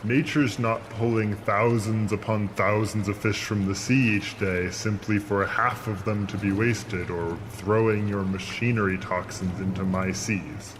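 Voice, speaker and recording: A man's voice: lowish voice, fairly even intonation, unhurried, few pauses, close to an everyday voice. A man playing an ancient, immortal sea monster in an audio drama, speaking in a grand, stern, formal and scornful way. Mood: stern, accusing. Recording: clear watery ambience noise behind voice.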